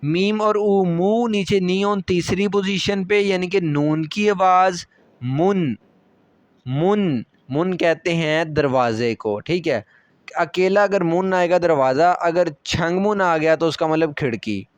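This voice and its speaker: A man's voice: high voice, slow pace, no room sound. A man with a Pakistani Urdu accent teaching a language lesson, patiently repeating each syllable and checking that listeners follow. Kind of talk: step-by-step classroom lecture.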